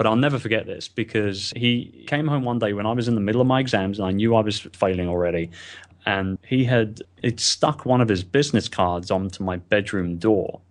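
At a fairly quick pace, a man with a London accent speaks at a fairly low pitch with ordinary pitch variation. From London, England. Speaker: entrepreneur. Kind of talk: interview.

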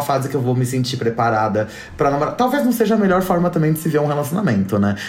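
A fairly high-pitched man talking very fast, with audible room echo and music in the background. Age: 20s. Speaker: content creator. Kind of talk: casual chat.

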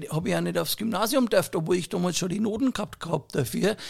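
A man talks at a fairly quick pace. His voice sits at a high pitch. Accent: Franconian. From Franconia, Fürth. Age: 50s. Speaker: beer sommelier and musician. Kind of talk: casual interview storytelling.

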